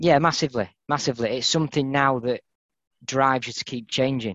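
A man at medium pitch with a Mancunian accent, fairly even intonation and a very fast pace. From Manchester, England. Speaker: department head, coaching client. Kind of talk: personal testimony.

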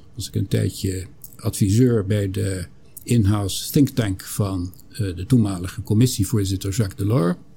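A man's fairly low, dark, mellow voice comes at a moderate pace, somewhat breathy, with ordinary pitch variation. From Netherlands, raised partly in Luxembourg and Belgium. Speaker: retired ambassador. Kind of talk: interview. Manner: hesitant with many filler sounds.

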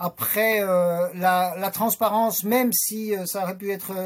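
This is a man talking. His pace is very slow. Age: 50s. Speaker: transhumanist association vice-president. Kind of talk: interview.

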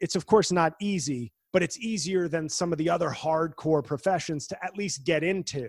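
In a New York accent, a man speaks at a high pitch with ordinary pitch variation, the sound dry and close with no echo. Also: moderate pace. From New York City, the Bronx. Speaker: comedian and impressionist. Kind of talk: casual chat.

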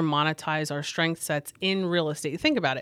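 This woman has an ordinary speaking voice, fairly low in pitch, with fairly even intonation. The recording is very clean with a silent background. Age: 40s. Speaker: real estate broker and trainer. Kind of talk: podcast interview.

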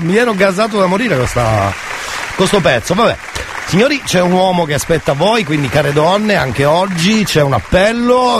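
The voice moves at a moderate pace with very wide pitch swings. Noticeable background noise is present. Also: man. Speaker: radio host. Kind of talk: casual chat. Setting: studio. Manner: animated.

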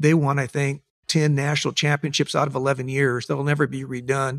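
An ordinary speaking voice goes at a fairly quick pace, recorded dry and close with no echo. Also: man, very clean recording, silent background. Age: 60s. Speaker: pastor. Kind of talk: interview. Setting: studio.

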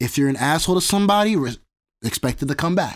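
Pitched fairly high, this man's voice swings very widely. He speaks at a moderate pace on a very clean recording with a silent background. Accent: New York. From New York, Bronx. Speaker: videographer and media correspondent. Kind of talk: casual interview. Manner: casual slangy, uses filler phrases.

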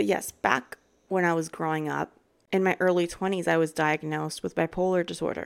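In a very clean recording with a silent background, a woman talks fairly quickly in a fairly low voice. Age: 30s. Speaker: psychic and mental health coach, podcast host. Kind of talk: monologue podcast on spirituality. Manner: enthusiastic, warm.

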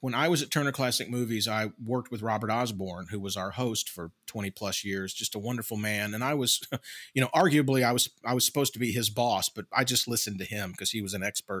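Speaking very fast with a slight Southern US accent, a man keeps a medium pitch and ordinary pitch variation. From Tupelo, Mississippi. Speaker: radio host and podcaster who is a fan of a singer. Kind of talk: casual chat. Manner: chatty, humorous.

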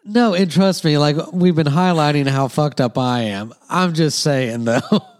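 At a fairly slow pace yet with hardly any pauses, a man speaks in a plain, everyday voice, fairly high in pitch and with lively intonation. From United States. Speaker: podcast guest, friend of host. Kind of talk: casual chat.

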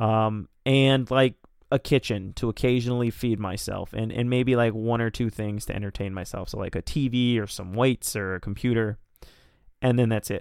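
A man has a normal speaking voice, with a medium pitch, fairly even intonation, and a moderate pace. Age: 20s. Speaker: podcast co-host. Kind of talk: casual chat.

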